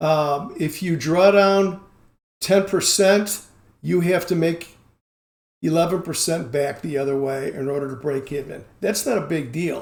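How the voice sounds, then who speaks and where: A man with a high voice speaks at a fairly slow pace. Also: ordinary pitch variation. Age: 60s. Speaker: market strategist and portfolio manager. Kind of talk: investment podcast presentation walking through slides. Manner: frequent filler words (um, uh).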